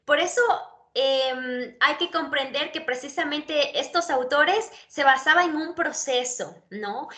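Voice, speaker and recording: A woman teaching over a video call in a high, bright voice. She explains ideas patiently and keeps asking whether she is being understood, with plenty of thinking fillers between phrases. She sounds like a lecturer working through a concept step by step. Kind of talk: explaining theory in an online class.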